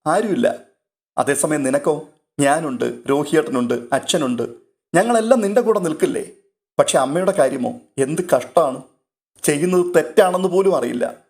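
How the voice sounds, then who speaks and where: A man reading a story aloud and voicing a caring young woman who gently coaxes a younger girl. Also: a little high, animated, normal speed. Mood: coaxing.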